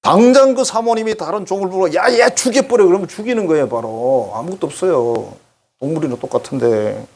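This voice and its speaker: Husky-voiced male pastor, chatty sermon, pitch leaps all over, sits a bit high. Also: a little fast. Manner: animated, addresses congregation directly, acts out quoted voices. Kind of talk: conversational sermon.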